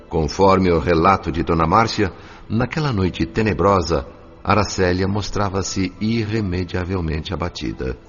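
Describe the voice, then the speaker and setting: A man giving dramatic scripted narration for a radio novel. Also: sits low. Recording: dull lo-fi audio.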